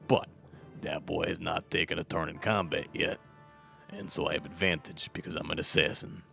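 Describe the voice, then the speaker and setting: A man playing a tabletop game, chatting casually and explaining his rules reasoning out loud. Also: very deep voice, steady tone, normal speed, gravelly, soft background music. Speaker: player.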